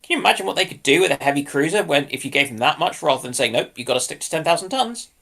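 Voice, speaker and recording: A man on a discussion panel, talking casually about history and thinking aloud in a halting way. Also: on the high side, expressive, gravelly, pushed and bright. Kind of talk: casual naval history chat.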